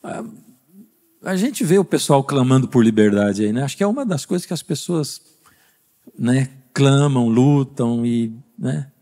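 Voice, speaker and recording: A man's voice: medium pitch, animated, a little slow, mellow. A man with a Brazilian Portuguese accent preaching a sermon as pastor, speaking conversationally and quizzing the congregation with rhetorical questions. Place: church service.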